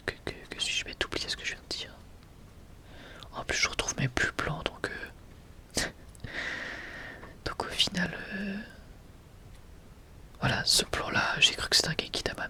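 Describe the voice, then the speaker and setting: An ASMR creator speaking casually in a breathy whisper, rambling and correcting themselves like a fan sharing a collection. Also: mid-range voice, bright, forceful tone. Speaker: ASMR video creator presenting a manga collection.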